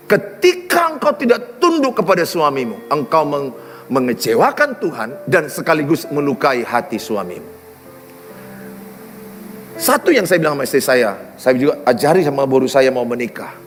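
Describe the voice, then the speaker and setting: A man's voice: a little high, in a large hall. A middle-aged man preaching a sermon, telling stories with humor. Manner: animated, humorous storytelling. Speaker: pastor. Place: large church hall.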